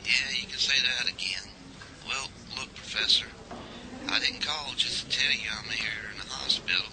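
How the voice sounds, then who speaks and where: A man's voice: mid-range voice, lightly acted. A man playing an injured driver calling from a hospital bed, weak, coughing, and stammering. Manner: halting, stammering. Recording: noisy amateur recording.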